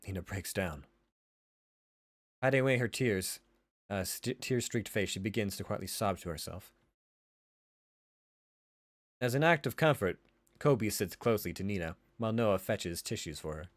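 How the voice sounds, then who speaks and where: A man's voice: on the low side, animated, moderate pace, pauses often, no echo, clean studio sound. A man narrating a visual novel aloud in an informal way, correcting himself as he reads.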